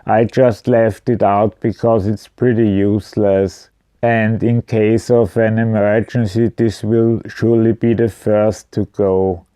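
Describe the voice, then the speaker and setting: Man, unhurried, smooth clear voice, informal explainer, matter-of-fact, slightly hesitant. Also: on the low side, level tone, dark tone, no room sound. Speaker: video presenter. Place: indoors at home.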